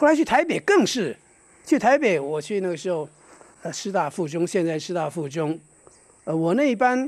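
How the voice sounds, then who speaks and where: Here is a man with a high-pitched voice. His intonation is lively. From Taiwan, Hsinchu (Hakka village). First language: Hakka (speaking Chinese). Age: 80s+. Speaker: retired philosophy professor, guesthouse owner. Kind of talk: interview. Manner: halting, repetitive.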